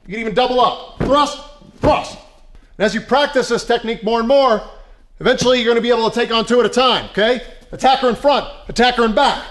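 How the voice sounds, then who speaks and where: A man in his forties, a martial arts instructor, talking in a pompous, self-serious deadpan in a large indoor dojo. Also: very high voice, background noise. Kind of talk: deadpan mockumentary comedy.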